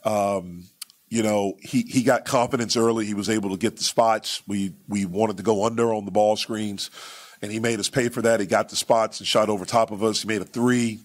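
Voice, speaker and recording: A man in his forties with a fairly low voice, fielding questions as head coach at a postgame press conference. He answers in a measured, repetitive way, leaning on "you know" and "man," speaking into microphones set on the table. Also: fairly even intonation. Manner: measured, repeats phrases, many fillers like "you know" and "man". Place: press conference room with sponsor backdrop.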